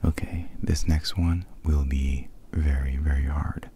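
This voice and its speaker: A man whispering softly in an ASMR video, rambling with fillers as he talks about movie quotes. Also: extremely low pitch, flat delivery, measured pace, a little hiss or hum. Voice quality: soft whisper.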